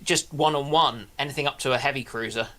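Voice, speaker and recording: A man's voice: mid-range voice, fast, pushed and bright. A man speaking as a panellist in casual chat, hesitant as he searches for his words.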